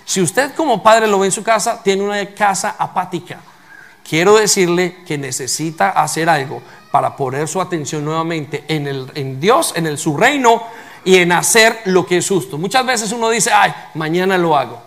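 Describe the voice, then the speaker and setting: Pastor guy preaching, fairly high voice for a man, keeps firing questions at the church. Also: moderate pace, vocal fry, fairly bright tone. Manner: emphatic preaching with rhetorical questions to the congregation. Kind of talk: sermon.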